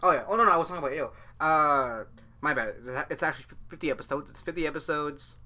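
Young man, bright forceful voice, casual anime talk, rambling, repeats himself. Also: a little high, fast. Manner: rambling, repeats phrases while explaining. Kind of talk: casual chat about anime.

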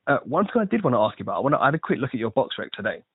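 A man hosting an interview who asks chatty questions at a quick clip, often restarting mid-sentence. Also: mid-range voice, very animated, a little hiss or hum. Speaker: interviewer, host. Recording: tinny dry phone line.

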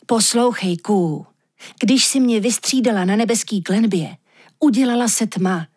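A woman voicing an anxious male magic reindeer who talks in a slangy, pleading way, with a husky voice. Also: mid-range voice, darkish tone, close to an everyday voice. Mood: urgent, pleading.

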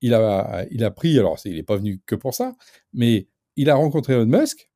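A man commenting casually on a radio show, emphatic and animated, with many fillers and restarts. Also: mid-range voice, fairly quick, dry recording, clean studio sound. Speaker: guest commentator.

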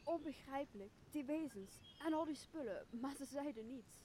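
A woman's voice: high-pitched, animated, moderate pace, warm tone, slight background noise. A young woman playing a weary, despairing noble leader in an audio drama. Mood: awestruck. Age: young adult. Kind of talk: Dutch audio drama of Shakespeare.

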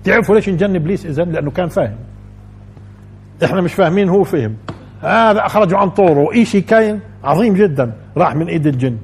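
شيخ بلهجة شامية، صوت مبحوح فيه حدة خفيفة، أسلوب تعليمي تكراري يخاطب المستمعين. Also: male voice, high-pitched, lively intonation, rapid-fire, breathy edge, faint music behind. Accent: Levantine Arabic. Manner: explains by repeating phrases and asking the audience questions. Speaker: religious teacher. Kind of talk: Quran commentary lesson.

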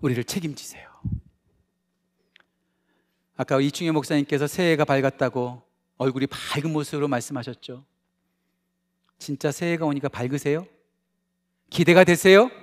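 High-voiced pastor preaching with swinging intensity. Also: male voice, moderate pace, pauses often. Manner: animated, swings from loud emphatic lines to soft confiding asides; conversational, asks the congregation questions. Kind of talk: sermon.

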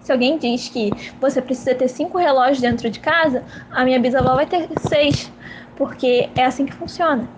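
A woman's voice: high voice, normal speed, background noise. A young woman hosting her own podcast, musing and rambling in a self-mocking, repetitive way. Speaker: podcast host. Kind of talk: casual rambling monologue.

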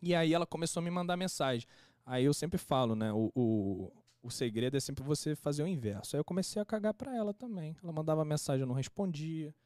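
A young man, a podcast guest casually telling an anecdote in a slangy, animated way and acting out the quotes. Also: fairly high pitch, quick pace, no room sound, clean studio sound.

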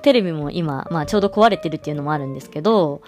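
A woman's voice: sits low, lively intonation, very fast, darkish tone, faint music behind. A young woman hosting a casual solo podcast, chatting loosely with many fillers and frequent little laughs. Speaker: podcast host.

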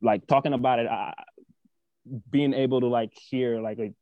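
A man from Senegal talks as a guest on a casual chat show, starting over often and stacking fillers as he feels for the right words. His voice sits at an everyday middle pitch. The sound is a little dull and muffled, and the room is very dry. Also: steady tone, no room sound. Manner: halting, repeats words, many fillers. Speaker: guest artist.

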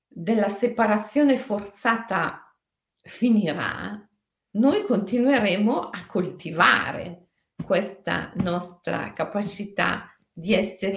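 Slow-chanting woman meditation teacher, roomy. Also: mid-range voice, vocal fry. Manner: slow, drawn-out chanting of syllables; answers viewers' comments by name. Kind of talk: guided spiritual lesson with chanting. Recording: roomy echo.

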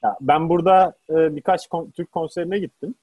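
A man's voice: fairly high pitch, brisk, darkish tone, slightly rough, dry recording. A man co-hosting a casual chat, telling an informal story.

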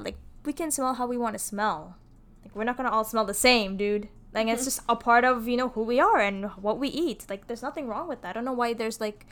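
This woman talks in a loose, conversational way and leans hard on her points. She scatters "like" through almost every sentence. Her voice is somewhat high for a woman. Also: fairly bright tone. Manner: emphatic, filler-heavy, many "like"s. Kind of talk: casual chat.

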